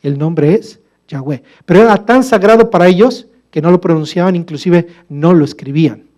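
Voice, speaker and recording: Warm-toned man preaching to a congregation. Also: normal speed. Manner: asks the congregation rhetorical questions, addresses them as brother; swings between emphatic loud passages and quiet low asides. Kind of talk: sermon. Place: church.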